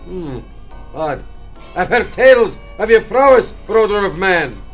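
A man's voice: high-pitched, big pitch swings, measured pace, soft background music, heavily acted. An actor playing a proud, menacing old king, commanding and sneering in an audio drama. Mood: scornful. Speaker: villain.

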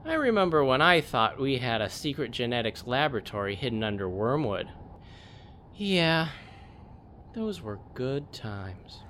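An actor playing a skeptical friend who teases in a wry way. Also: male voice, mid-range voice, big pitch swings, unhurried, fairly bright tone, slight background noise. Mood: teasing. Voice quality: teasing, wry.

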